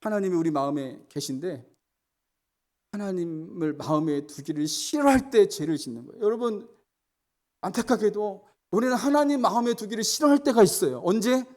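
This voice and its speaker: Here a middle-aged male pastor with a high-pitched voice and lively intonation preaches at a moderate pace. Earnest throughout, he often calls out to the congregation and moves between emphatic, loud passages and soft storytelling.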